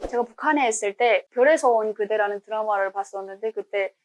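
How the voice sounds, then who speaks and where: A woman's voice: medium pitch, brisk. A woman from Pyongyang, North Korea, giving earnest, enthusiastic commentary in a talking-head vlog. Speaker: YouTuber.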